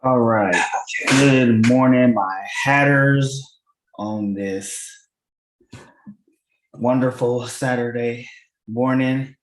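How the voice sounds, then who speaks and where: A man's voice: mid-range voice, drawn-out words, long pauses. Laid-back male host in an echoey room. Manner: laid-back, stammers and repeats words. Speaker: podcast host. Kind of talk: casual livestream chat. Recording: echoey room with faint clicks.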